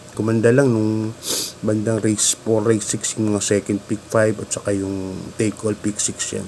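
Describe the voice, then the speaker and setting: Noticeable background noise accompanies a man whose fairly low voice moves at a moderate pace. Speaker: horse racing tipster. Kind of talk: betting tips commentary. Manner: halting.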